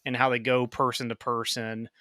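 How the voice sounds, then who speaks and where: A man who is a podcast guest, chatting casually and enthusiastically, with quick agreeing replies. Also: mid-range voice, little pitch movement, bright, forceful tone, dry recording, studio quality. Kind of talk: casual chat.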